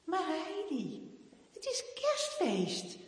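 A woman's voice: very high voice, huge pitch swings, drawn-out words, voice pushed up, exaggerated voice. A woman voicing a kind, cheerful father who talks in an encouraging, laughing manner, read aloud in a story. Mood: joyful. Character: kind cheerful father, middle-aged man. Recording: echoey hall.

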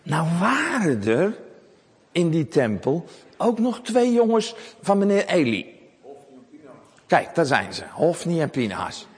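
A man telling a Bible story to children in a lively, animated way, often asking them questions. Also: high-pitched, slow pace, pauses often, husky, long reverb tail.

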